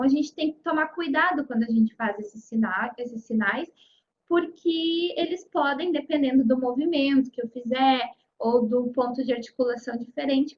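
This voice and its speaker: A woman's voice: sits high, lo-fi sound. A woman teaching a sign language course in a recorded online lecture, explaining step by step and checking in with her students often. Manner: explanatory, frequent "né?" and "tá?" check-ins.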